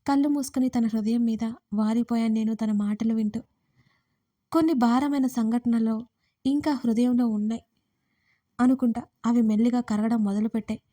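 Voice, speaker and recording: A woman narrating a first-person romance audio story in a soft, intimate, reflective way. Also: fairly high pitch, steady tone, moderate pace, pauses often, no echo.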